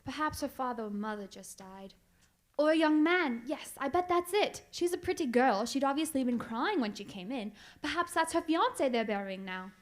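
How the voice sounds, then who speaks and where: A kindly, sentimental gentleman companion, played by a woman in radio theatre. The voice is high, with a genteel manner and an exclamatory way of reacting. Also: lively intonation, moderate pace. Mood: genial, sympathetic.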